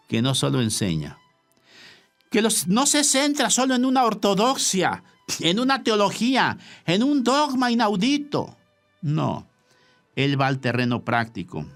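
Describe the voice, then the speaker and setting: A male preacher delivering a sermon with emphatic, expressive phrasing. His pitch sits mid-range but swings widely. Soft instrumental music plays behind him.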